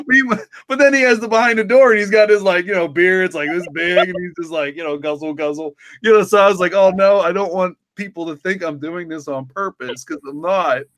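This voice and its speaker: A man chatting casually as a story's co-creator, in a halting, rambling way that often repeats words. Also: high-pitched, fairly bright tone. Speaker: co-creator and writer discussing his story. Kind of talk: casual chat.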